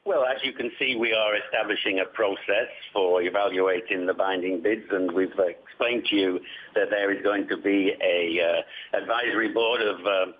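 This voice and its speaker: Male executive, husky low voice, formal and hesitant, dull conference-call sound. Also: steady tone, normal speed, hardly any pauses. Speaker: company executive answering questions. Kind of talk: conference call question and answer. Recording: muffled conference call line.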